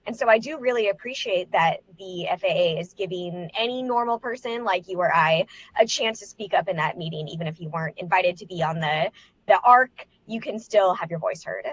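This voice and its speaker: A woman guest on a live panel, explaining points in an informative, measured way. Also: fairly low pitch. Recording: lo-fi remote call with faint noise.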